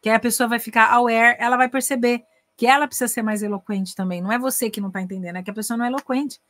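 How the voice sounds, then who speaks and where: A woman's voice: on the high side, steady tone, rapid-fire, fairly bright tone. A middle-aged woman with a Brazilian Portuguese accent, an English teacher and coach giving a casual online class. She acts out little dialogues and switches between Portuguese and English.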